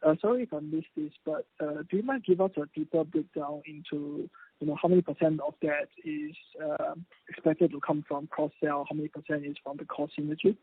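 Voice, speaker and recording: A man's voice: fairly high pitch, steady tone, brisk, husky, dry recording. A man, an analyst asking hesitant, apologetic questions on a conference call over a phone line. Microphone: telephone. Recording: dry, muffled phone line.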